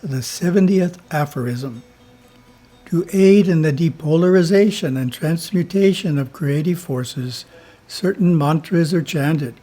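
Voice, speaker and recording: A man who is a spiritual teacher reads his editorial in a slow, measured way and chants Om between the passages. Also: fairly high pitch, warm tone, soft background music.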